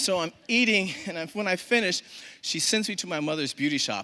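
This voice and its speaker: A man with a warm tone and high pitch raises and projects his voice at a moderate pace. His intonation is lively, and there is noticeable background noise. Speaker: performer reading a personal essay at a live show. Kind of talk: live personal storytelling reading. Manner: conversational, humorous, warm storytelling.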